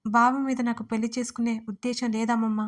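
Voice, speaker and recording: A woman's voice: fairly high pitch, flat delivery, brisk, close to an everyday voice. A woman voicing a heartbroken, tearful young woman who pleads in an audio story.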